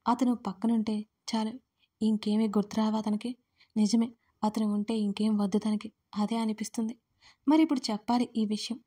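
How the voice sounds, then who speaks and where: A woman narrating an audio drama series in steady, emotive storytelling. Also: fairly high pitch, moderate pace, breathy edge.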